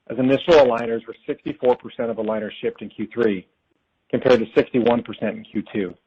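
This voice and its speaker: Husky guy doing a formal scripted earnings call, finance exec type, kinda muffled lo-fi audio. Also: mid-range voice. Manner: formal, measured reading of prepared figures. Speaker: company finance executive. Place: conference call. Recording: dull, lo-fi conference call audio.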